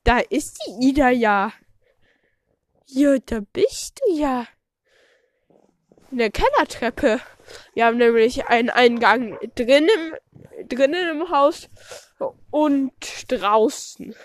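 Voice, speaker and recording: A woman with a stuffed-up nose from a cold talks at an unhurried pace in a fairly high voice. She rambles and thinks aloud as she narrates her stable chores, with false starts along the way. She is recorded outdoors in the snow on a phone with a plugged-in mic. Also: animated, no echo. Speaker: podcaster. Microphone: phone with a plugged-in cable mic.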